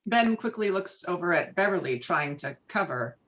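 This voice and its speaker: A woman's voice: fairly low pitch, expressive, normal speed, a bit bright. A woman reading screenplay stage directions as narrator at an online table read. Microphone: video call. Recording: dull lo-fi online call audio.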